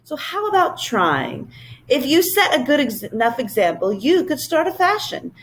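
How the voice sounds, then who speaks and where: A woman voicing a kindly, wise male professor who gently encourages children. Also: high voice, big pitch swings, normal speed, slight background noise, voice pushed up, low-quality recording. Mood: earnest encouraging.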